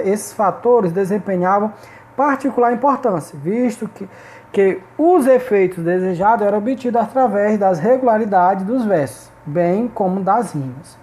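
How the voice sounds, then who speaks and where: A woman's voice: medium pitch, darkish tone. A woman teacher explaining a lesson step by step, often checking in with her students. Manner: explanatory, frequent checking tags like "né?" and "ok?". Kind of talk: recorded online class lesson.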